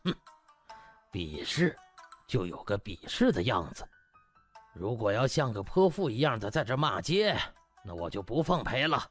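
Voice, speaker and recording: A man's voice: medium pitch, very animated, moderate pace, long pauses, voice pushed down. A man voicing a stern, authoritative old doctor with a haughty, reproachful manner in an audiobook. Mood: cold scolding. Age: older. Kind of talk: audiobook character acting. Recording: music behind the voice.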